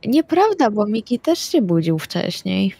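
A woman's voice: mid-range voice, big pitch swings, a little slow, vocal fry, dark tone, breathy edge, no room sound, full character voice. A woman playing a blunt, chatty female vampire in an improvised tabletop roleplay. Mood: teasing.

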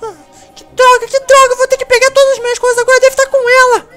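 Cheeky thieving boy mouse, super high squeaky voice, whiny, slangy, music underneath. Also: level tone, fast talker, a bit bright. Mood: upset, whiny. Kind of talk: improvised Minecraft role-play.

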